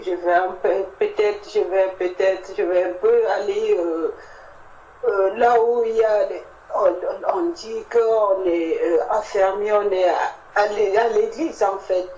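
Slow-speaking woman in an echoey room. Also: medium pitch, a little mellow. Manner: halting, repetitive, searching for words. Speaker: church member sharing at a Bible meeting. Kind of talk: informal personal testimony. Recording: muffled, echoey, noisy group recording.

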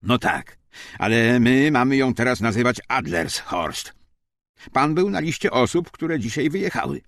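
A man's voice: medium pitch, lively intonation, a little slow, a bit bright, no echo, studio quality, voice pushed up. A man voicing a stern, officious German SS officer in an audiobook, speaking emphatically as he questions a detainee. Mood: officious, insistent.

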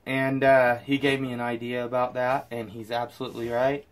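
A man's voice: medium pitch, flat delivery, normal speed. A middle-aged man, host of a homesteading channel, chatting casually and explaining as he works in a small shed. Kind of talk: casual chat while working. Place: small metal-walled shed and outdoor yard.

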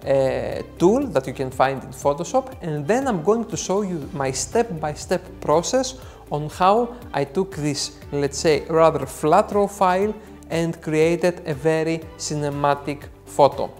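A young man speaks English with a clear Greek accent, walking through a software tutorial one step at a time. He sounds earnest and explanatory, often pausing with a quick "uh" before going on. He is recorded in a dark indoor studio. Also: on the high side. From Greece. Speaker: photo editing tutor.

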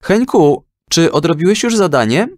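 A man's voice: fairly high pitch, sing-song, moderate pace, a little mellow, no room sound, clean studio sound, voice pushed up. A man voicing a caring, watchful mother who questions her son in a children's story. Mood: questioning.

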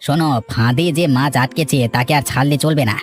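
A man's voice: a little high, steady tone, fast talker, music in the background, natural voice. A man playing a cocky, greedy village swindler in a cartoon, boastful, wheedling and treacherous. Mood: scheming. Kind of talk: dramatized cartoon villain dialogue.

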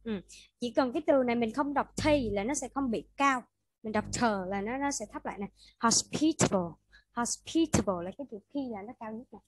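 A woman's voice: on the high side, fast talker, slight background noise, low-quality recording. A woman with a Vietnamese accent tutoring English pronunciation online, patiently modeling words and repeating them for her student.

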